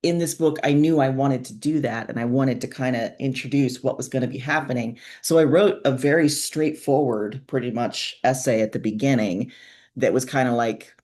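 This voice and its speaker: A woman's voice: rumbling low, normal speed, a little mellow. A woman speaking as a guest author in a casual interview, explaining her thinking in an informal, reflective way. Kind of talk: casual, conversational interview answers.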